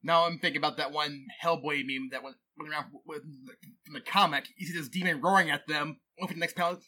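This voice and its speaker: A male podcast co-host with a bright, fairly high voice. He tells stories with animation and reads sponsor copy in a casual podcast setting. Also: fast talker. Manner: animated storyteller, acts out quotes.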